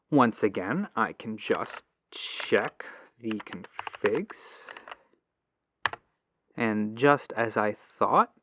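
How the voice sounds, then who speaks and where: A man acting as a polite, patient tech support agent in a soft-spoken ASMR roleplay, musing aloud over a lo-fi telephone line. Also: mid-range voice, no echo. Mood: curious, explaining. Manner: unhurried, pausing, courteous, musing aloud. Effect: lo-fi telephone filter.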